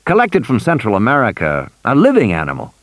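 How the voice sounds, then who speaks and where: A man's voice: medium pitch, huge pitch swings, a little fast, dry recording. A man doing a reluctant, busy scientist. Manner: hesitant, polite refusals.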